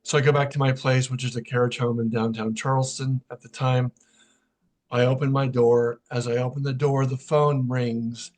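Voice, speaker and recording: His pitch is mid-range and barely moves, with a moderate pace and a darkish quality. The middle-aged man, a sound healer guesting on a podcast, casually narrates a personal story, repeating what was said in quoted lines.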